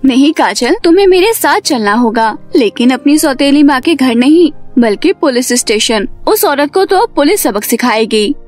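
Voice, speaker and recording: A kind young saree seller acted by a woman in a cartoon bedtime story. Her voice is very high, earnest and expressive, with a protective big-sister manner, over faint music. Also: normal speed. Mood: protective, reassuring. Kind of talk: animated Hindi bedtime story voice acting.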